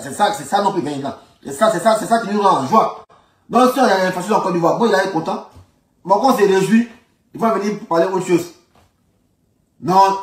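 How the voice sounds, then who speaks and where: A man with an Ivorian accent giving an informal political monologue, insistent, repeating phrases for emphasis and asking rhetorical questions. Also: fairly high pitch. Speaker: political commentator. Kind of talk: informal spoken political monologue in reply to a speech. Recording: roomy echo, distant microphone.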